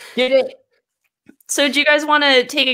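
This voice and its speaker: Quiet background behind a woman's voice. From Atlantic Canada (New Brunswick). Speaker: comedy game show host. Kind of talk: comedic game show banter. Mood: playful, amused. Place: home room.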